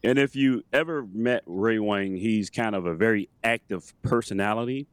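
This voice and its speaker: A man with a slightly raspy voice hosting a tech interview show, chatting casually and rambling with restarts. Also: on the low side, normal speed, no echo. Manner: rambling, with many restarts and fillers. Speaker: podcast host.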